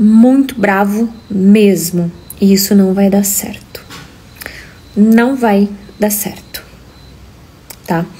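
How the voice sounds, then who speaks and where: A woman speaks at a very slow pace with long, frequent pauses and fairly even intonation. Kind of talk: casual live-stream chat. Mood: serious, occasionally laughing. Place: home room. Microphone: phone near.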